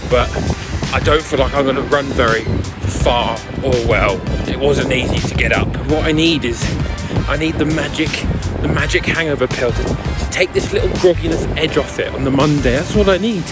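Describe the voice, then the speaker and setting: A man's voice: mid-range voice, normal speed, over loud music. A young British man talking casually in a vlog, with a dry, tongue-in-cheek, sweary way of speaking. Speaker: vlogger. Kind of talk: casual first-person vlog to camera.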